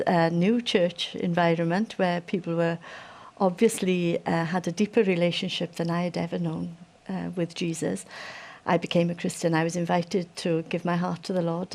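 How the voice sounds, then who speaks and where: A middle-aged Welsh woman, a charity director, giving a gentle, unhurried personal testimony in an interview. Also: lowish voice, vocal fry. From Wales. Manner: gentle, unhurried storytelling with soft fillers.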